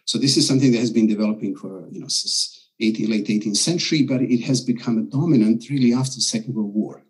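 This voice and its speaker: A middle-aged man, a guest scholar, explaining ideas at length over a video call, measured and full of restarts and fillers. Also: mid-range voice, darkish tone, breathy edge, low-quality recording.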